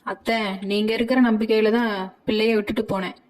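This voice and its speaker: A woman's voice: fairly high pitch, little pitch movement, fast talker, a little mellow, close to an everyday voice, rough recording. A woman voicing a young mother in a cartoon, polite and apologetic toward her mother-in-law.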